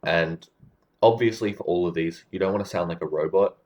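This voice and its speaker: Guy w a really deep voice coaching ppl on how to talk, chill explainer vibe, keeps going "right?". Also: a little fast, lo-fi sound. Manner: relaxed, explanatory, checks in with "right?". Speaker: communication coach. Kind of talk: casual advice talk to camera.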